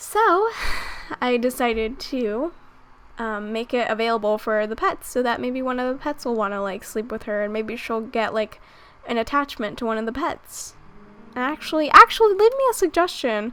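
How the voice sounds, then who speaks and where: A high-pitched woman's voice at a moderate pace with ordinary pitch variation. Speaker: gaming video creator. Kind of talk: casual game commentary. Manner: low energy.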